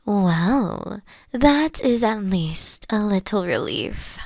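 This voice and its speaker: A woman playing a mature, regal queen in an audio roleplay, teasing and flirtatious with a breathy, coy delivery and a protective streak. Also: mid-range voice, expressive, drawn-out words, a little mellow, no echo, studio quality, full character voice. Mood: coy, wounded.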